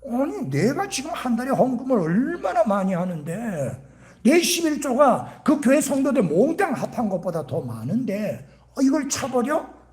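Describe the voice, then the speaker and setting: A man's voice: extremely high pitch, sing-song, moderate pace, a little mellow, voice pushed up. A man preacher acting out an offended, wealthy male churchgoer who complains indignantly.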